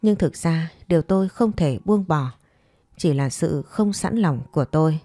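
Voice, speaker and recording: A proud, composed man speaks in a measured, mellow tone, played by a woman storyteller. It is fireside storytelling of a romance, coolly matter-of-fact, with quiet music underneath. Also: low-pitched, expressive, dry recording. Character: composed, proud man coolly rejecting his former girlfriend.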